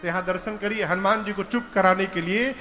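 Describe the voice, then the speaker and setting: A man telling a devotional story as a religious storyteller, with animated, dramatic narration. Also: high voice, brisk. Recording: reverberant hall with instrumental music.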